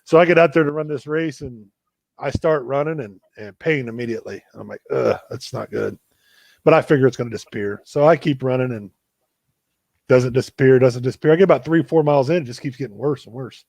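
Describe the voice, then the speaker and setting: Brief: male host, gravelly voice, dry close sound, easygoing storyteller on a video call. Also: medium pitch, fairly quick, no room sound. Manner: relaxed, self-deprecating storyteller. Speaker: running coach and show host. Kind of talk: casual storytelling in a live video chat.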